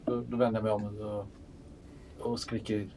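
A man's voice: on the low side, level tone, warm tone, slight background noise, rough recording. A man playing his character in a tabletop role-playing game, with hesitant, short answers and restarts. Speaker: player. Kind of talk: casual tabletop role-play.

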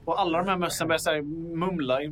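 A man's voice: a little high, fairly bright tone. A man running a tabletop game, casually describing scenes with chatty fillers. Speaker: game master.

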